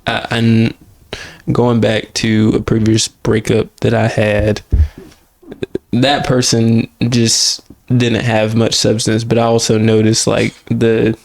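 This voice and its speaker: A man co-hosting a podcast, earnest and emphatic as he reflects on his views. His voice is gravelly with plenty of fry, and his pitch stays fairly flat. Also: takes it slowly. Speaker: podcast co-host. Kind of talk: casual podcast chat.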